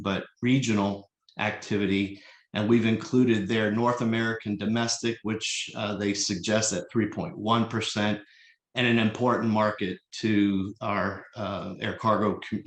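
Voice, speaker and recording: Halting low-voiced man presenting, echoey sound. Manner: halting, hesitant delivery. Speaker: consultant presenting an air cargo forecast. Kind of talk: slide presentation at a public meeting. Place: virtual public meeting, echoey room. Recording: echoey, roomy voice pickup.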